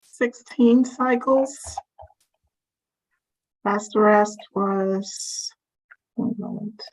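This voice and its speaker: A woman's voice: mid-range voice, extremely slow, poor audio. A woman court clerk reading a defendant's criminal history aloud, methodically spelling out case numbers.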